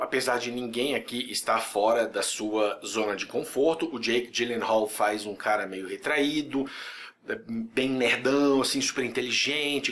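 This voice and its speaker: Man, film critic, casual review, medium pitch, lively, jokey, acts out little voices. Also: slight background noise.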